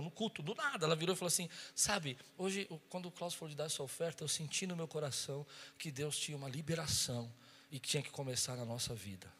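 A man preaching as pastor, moving from quiet storytelling to loud, impassioned calls. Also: fairly high pitch, big-room sound. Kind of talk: sermon. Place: church.

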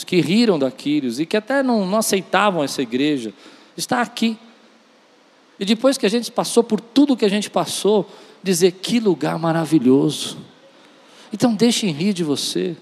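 A male preacher with a fairly high voice gives a charismatic sermon in a hall with long reverb. He addresses his listeners directly and intimately, leans on repeated phrases for emphasis, and acts out bits of dialogue. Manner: emphatic, with repetition and acted-out dialogue.

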